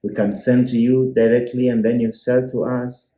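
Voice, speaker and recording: A man's voice: medium pitch, flat delivery, normal speed, mellow. A man with a Kenyan accent, a business owner chatting easily as a guest, with hesitant restarts. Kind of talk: casual interview chat. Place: room in Kenya. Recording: echoey room.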